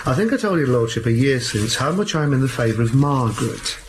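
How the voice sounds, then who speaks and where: A sly, persuasive henchman, played by a man, laying out a plot in a mid-pitched voice. He leans in conspiratorially and drops into whispers, all in a Shakespearean stage play. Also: expressive, brisk, slight background noise, lightly acted. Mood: scheming. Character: sly scheming male henchman, cunning and persuasive.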